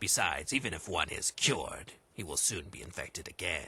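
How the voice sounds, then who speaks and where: A man's put-on character voice at a moderate pace. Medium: video game. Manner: measured, deliberate.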